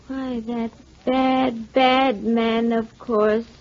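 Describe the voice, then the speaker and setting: An actress playing a dazed, eerily calm, unbalanced woman in a 1940s radio drama, detached and matter-of-fact. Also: on the high side, very slow, faint music behind. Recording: dull, muffled old 1949 radio recording.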